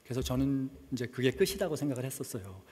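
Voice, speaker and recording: Man preaching, husky voice, conversational testimony, long church reverb, middle-aged. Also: medium pitch, quick pace, a little mellow. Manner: conversational, mixes English words into speech. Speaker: missionary preacher. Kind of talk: sermon with personal testimony. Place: church sanctuary.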